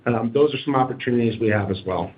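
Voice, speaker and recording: A man speaking as a company executive on an earnings call, in measured corporate phrasing. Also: medium pitch. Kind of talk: prepared remarks and corporate question answering. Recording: dull, lo-fi conference call audio.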